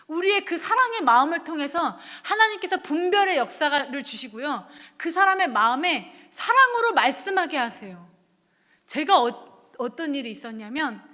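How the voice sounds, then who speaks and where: A woman's voice: high voice, pushed and bright, big-room sound. A young woman pastor preaching a sermon in a church, earnest and emotional, her voice sometimes breaking into tears. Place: church sanctuary.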